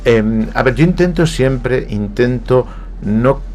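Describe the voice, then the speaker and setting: A guest writer from Galicia, Spain, speaks with a Spanish accent in a radio studio interview, reflective and often hesitating or repeating words. His mid-range voice is animated yet a little mellow, slow in pace, with slight background noise.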